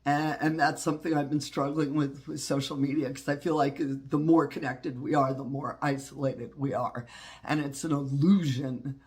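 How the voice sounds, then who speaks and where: A man, hosting his own channel and talking through a personal hardship. His low voice is congested from a cold, and he speaks in a folksy, heartfelt way, full of fillers and restarts. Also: steady tone, normal speed, a little mellow. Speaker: witchcraft channel host. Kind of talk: personal reflective talk.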